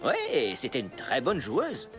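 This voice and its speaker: A man's voice: mid-range voice, wildly swooping pitch, moderate pace, over music. A man playing a friendly, reasonable father in a children's cartoon, with an encouraging manner.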